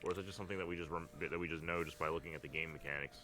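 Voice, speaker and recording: A man's voice: low voice, steady tone, very fast, pushed and bright. A man bantering casually about games and cartoons as a podcast co-host, swearing freely. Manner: casual, profane.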